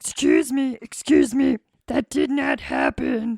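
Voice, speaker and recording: This female-sounding voice is a put-on character voice pitched high. It moves at a fairly slow pace. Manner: silly, indignant.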